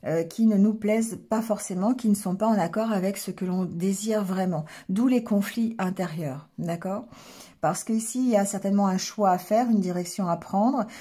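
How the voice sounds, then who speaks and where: A hoarse woman giving a tarot reading to her viewers, hesitant, with many fillers and restarts, clearing her throat often and checking in with the listener. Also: mid-range voice, warm tone. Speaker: tarot card reader.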